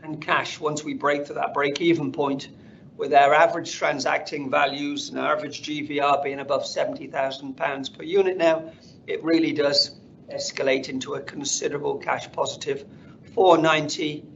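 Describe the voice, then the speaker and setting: A man presenting company results on an earnings call in a measured, businesslike manner. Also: flat delivery, gravelly, fairly bright tone. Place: conference call. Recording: dull, noisy conference line with rumble.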